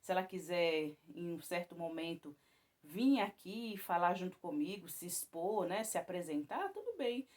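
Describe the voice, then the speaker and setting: A woman shares her personal Christian testimony with viewers, rambling with many restarts and tag questions. She speaks at normal speed in a sing-song way, her voice rising high and loud when she describes moments of alarm.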